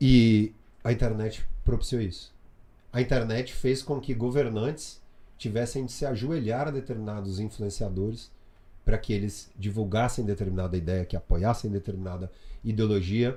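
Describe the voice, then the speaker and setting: Here a man talks at a moderate pace with ordinary pitch variation. His tone is dark and mellow, and somewhat breathy. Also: medium pitch for a man. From Brazil, Goiânia (Goiás). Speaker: Portuguese language expert and writer. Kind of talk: podcast interview.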